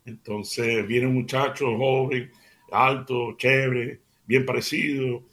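A man's voice: mid-range voice, flat delivery, slow. A middle-aged man hosting Christian radio, telling everyday stories in a chatty way and calling his listeners family. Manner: chatty anecdotal, addresses listeners warmly as family. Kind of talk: casual radio storytelling.

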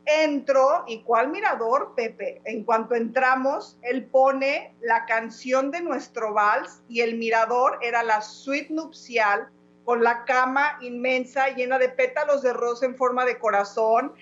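A woman with a Mexican accent telling her personal story as a guest, earnest and dramatic, slowing down for the key moments. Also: fairly high pitch, fairly bright tone, dull audio. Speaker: guest giving testimony. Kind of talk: emotional personal testimony.

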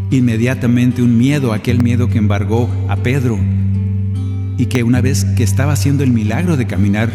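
A man, a Catholic singer-songwriter hosting a reflective, joking talk between songs. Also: mid-range voice. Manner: conversational and joking. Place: his own recording studio.

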